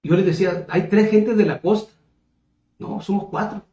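A man's voice: high-pitched, moderate pace, mellow. A man in his fifties with a northern Mexican accent, answering interview questions conversationally, often hesitating and repeating words as he searches for the next. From Mexico, coast of Caborca in Sonora. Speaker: political candidate being interviewed. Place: small indoor room, seated at a table. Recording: roomy echo, slightly dull sound.

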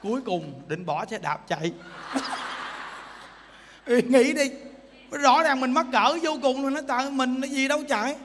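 A man's voice: very high-pitched, expressive, normal speed, pauses often, a bit bright, long reverb tail, slight background noise. A male Buddhist monk, preaching a sermon emphatically and pressing his listeners with rhetorical questions.

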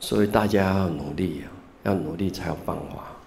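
A man's voice: sits low, gravelly, a little mellow, slight background noise. A man, a Buddhist monk giving a classroom lecture, telling stories and stretching out filler particles. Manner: storytelling, drawn-out filler particles.

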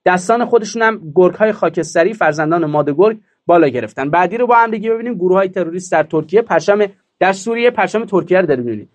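Emphatic high-voiced male commentator. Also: lively intonation, few pauses. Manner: emphatic, rhetorical questions, mocking. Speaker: political commentator host. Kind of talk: monologue commentary.

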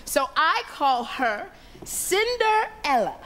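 A woman's voice: sits high, sing-song, slow, a bit bright, slight background noise, heavily acted. A woman playing a vain wicked stepmother in a stage musical, with theatrical, exaggerated delivery. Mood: haughty. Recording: stage audio from far off with faint ambience.

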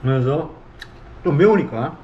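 A man's voice: on the high side, lively intonation, a little slow, highs cut off, a little hiss or hum. A middle-aged man from South Korea hosting a casual eating show, talking expressively as he savors his food, at times with his mouth full. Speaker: mukbang host.

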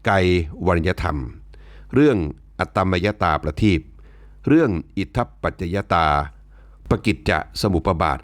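Deep-voiced man musing in a spoken essay. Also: very animated, dry recording. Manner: measured, wry, unhurried delivery; polite, ends phrases with the male particle. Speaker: commentator.

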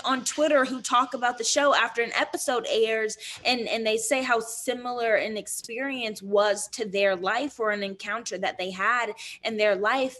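A woman's voice: fairly high pitch, fairly bright tone. A young woman speaking earnestly in a remote interview, with many ums and restarts, heard over a laptop mic on a video call. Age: young adult. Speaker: guest actor.

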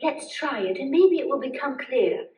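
A bright, chatty puppet lady, played by a woman, her very high voice leaping up and down as she tells stories and coaxes her friend along. She sounds gently instructive. The voice is heard from afar in a roomy, echoing space. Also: moderate pace. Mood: explaining. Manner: lively, storytelling, gently instructive. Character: cheerful, chatty older woman puppet who loves mindfulness. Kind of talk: live puppet show acting. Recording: echoey room, mic far off.

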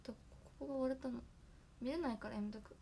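A hoarse young woman chatting casually on her livestream, thanking viewers by name for their gifts. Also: sits high, quick pace, dark tone, a little hiss or hum. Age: young adult. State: hoarse after a nap. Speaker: idol livestreamer.

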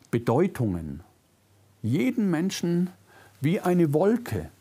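An older man with a faint Bavarian-Swabian German accent, reading a prepared lecture as a philosopher, measured and reflective, lifting his voice on key words. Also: medium pitch, mellow. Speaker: philosopher giving a public lecture. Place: lecture room, seated at a desk. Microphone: lapel mic.

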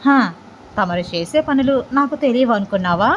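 A woman voicing a calm, sarcastic young man who needles his cousin in an audio story. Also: fairly high pitch, normal speed, dull audio, a little hiss or hum, close to an everyday voice. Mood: needling.

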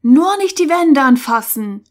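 A woman voicing a calm, experienced boy camper in a Christian story for children, speaking briskly and knowingly. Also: fairly high pitch. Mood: instructive. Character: excitable young boy at camp, Lutz, calm experienced leader.

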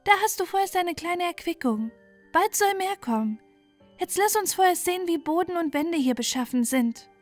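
A woman voicing a kind, busy little male shrike in a fairy tale, brisk, chirpy and reassuring. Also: very high voice, expressive, pitched above the performer's own voice. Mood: brisk, helpful. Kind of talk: fairy-tale storybook character voice. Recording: music behind the voice.

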